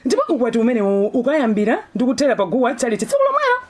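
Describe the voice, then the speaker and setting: A woman's voice: on the high side, wildly swooping pitch, racing, a little mellow. An actress with a Malawian accent playing a stubborn, insistent woman who opposes a friend's wedding in a radio drama. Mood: indignant, adamant. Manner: emphatic, insistent.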